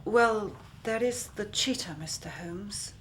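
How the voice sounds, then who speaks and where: A woman's voice: medium pitch, slow pace, slight background noise, natural voice. An actress playing an anxious young Victorian woman in a radio drama.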